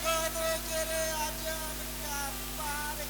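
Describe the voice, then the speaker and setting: A haughty, hostile official on a folk stage, very high in pitch and hammy. The words are drawn out slowly and declaimed, echoing under loud music. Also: monotone, heavy background noise.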